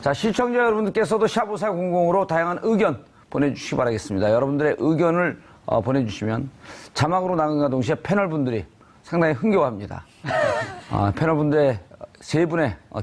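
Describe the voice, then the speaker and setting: Animated, teasing male talk show host. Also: a little high, a little hiss or hum. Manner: teasing, joking, provocative interrogation of guests. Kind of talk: live panel talk, bantering with guests.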